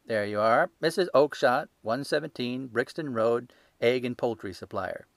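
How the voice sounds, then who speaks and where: A man voicing a gruff, blustering male poultry salesman at a market who shouts and hectors. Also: medium pitch, normal speed, no room sound, close to an everyday voice. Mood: boastful.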